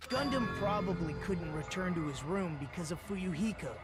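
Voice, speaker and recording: Smug, high-pitched young student sleuth. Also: male voice, animated, normal speed. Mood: explaining. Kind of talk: video game voice acting. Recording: very loud game music behind the voice.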